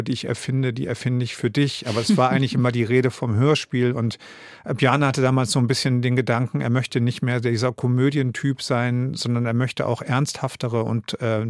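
A man's voice: medium pitch, no echo. Reflective man, dry close studio sound. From Germany. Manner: reflective, searching for words with many restarts. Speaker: author and radio drama director, guest. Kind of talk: thoughtful interview answers.

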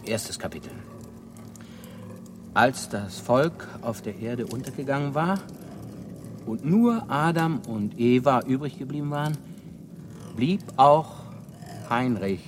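An actor playing an excitable, simple-minded young man in a radio drama. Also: medium pitch, background noise. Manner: excitable, animated.

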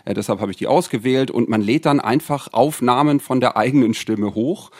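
Male correspondent, relaxed podcast explainer, loose and unscripted, mid pitch. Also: brisk. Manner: relaxed, with many fillers and restarts. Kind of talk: casual explaining.

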